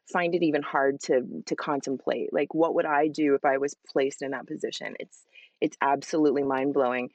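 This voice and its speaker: A woman voice actress chatting in an interview, enthusiastic and animated with plenty of fillers. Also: very deep voice, a little fast, dry recording. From Hispanic family, father with Spanish accent. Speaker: voice actress guest. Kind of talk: casual interview answers.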